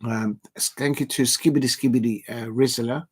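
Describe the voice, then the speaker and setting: A man's voice: mid-range voice, steady tone, moderate pace, husky. A man, rambling through a late-night football watch-along, thanking his chat with lots of ums and restarts. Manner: rambling, filler-heavy, reading out chat shout-outs. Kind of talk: casual late-night live stream wrap-up. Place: at home at night with a TV on.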